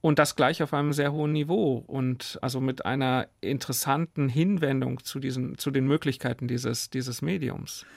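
A man's voice: mid-range voice, fairly even intonation, normal speed, vocal fry, few pauses, no room sound. A man hosting a radio discussion, speaking in a reflective, searching manner. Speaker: radio host and interviewer. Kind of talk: moderated radio discussion, scripted introductions and spontaneous talk.

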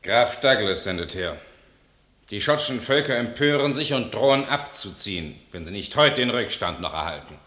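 A proud, hot-blooded medieval count, blunt and declamatory. His lowish voice is sharp and forceful, set in a roomy radio-play sound. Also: lively intonation, normal speed. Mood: grim. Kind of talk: classical radio drama acting.

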